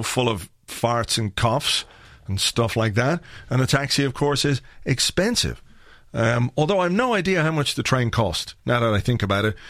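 An Irish man hosting a podcast, chatting casually in a rambling, wry way with a slightly croaky voice. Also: medium pitch, a bit bright, no room sound, studio quality. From Ireland. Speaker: podcast host. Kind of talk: casual solo podcast chat.

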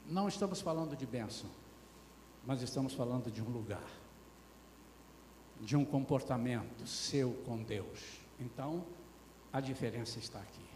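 A man preaching a sermon with passion, firing rhetorical questions and swinging between loud and soft. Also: mid-range voice, moderate pace, pauses often. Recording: echoey church hall with faint noise.

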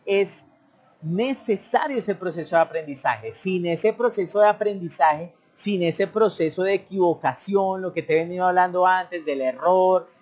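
A man's voice: high voice, moderate pace, a little mellow. Man teaching in a chatty style. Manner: conversational, repetitive, acts out learners' broken speech. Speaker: English teacher. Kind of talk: informal teaching monologue.

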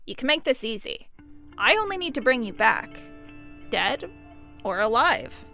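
A high, bright-voiced spurned siren, bitter and menacing. The delivery is taunting and accusatory, in audio drama style, with music underneath. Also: female voice, big pitch swings, a little slow, creaky, exaggerated voice. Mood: cool, taunting.

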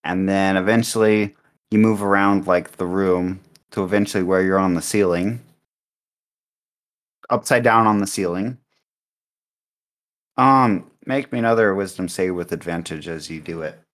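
Casting: low-pitched male GM, improvised rambling narration, lots of filler. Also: moderate pace, long pauses, a bit bright. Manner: rambling, full of ums and likes. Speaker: game master. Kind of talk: improvised tabletop game narration.

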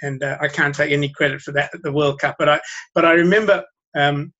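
A man from Sri Lanka giving interview answers in a halting way, repeating his words and chuckling often. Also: a little high, fairly even intonation, bright, forceful tone, dull audio. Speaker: guest.

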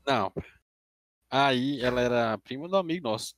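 A man's voice: medium pitch, lively intonation, normal speed, fairly bright tone, slight background noise. A man chatting casually on a stream and joking along with his friend. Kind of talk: casual chat.

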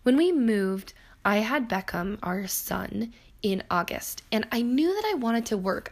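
A woman in her thirties hosts a solo podcast, chatting through her own story, laughing often and drifting into tangents. Her medium-pitched voice is hoarse and keeps cracking.

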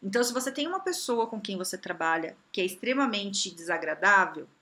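A woman's voice: mid-range voice, very animated, brisk, pushed and bright. A woman giving casual career and behavior advice, talking conversationally and acting out quoted voices.

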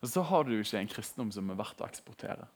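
A young man giving a casual, animated sermon in a conversational tone. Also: on the low side. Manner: conversational, animated, laughing at his own jokes. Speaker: preacher.

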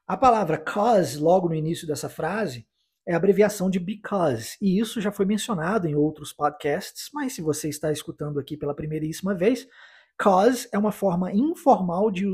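A man from Brazil teaching English in a podcast lesson, explaining phrases and then repeating the English lines slowly for listeners to practise. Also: high voice, a little mellow, husky. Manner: encouraging, with tag questions like "né?" and "tá?".

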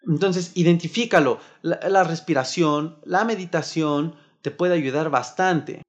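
A man with a Mexican Spanish accent giving a motivational self-help talk, lively and acting out little stressed outbursts. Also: on the high side, measured pace, lo-fi sound.

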